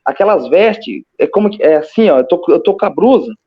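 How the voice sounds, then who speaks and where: A man's voice: sits high, expressive, brisk. A man with a Brazilian Portuguese accent, a guest telling his own story in casual testimony, hesitant, repeating words and acting out gestures. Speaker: interview guest recounting a near-death experience. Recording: slightly muffled lo-fi audio.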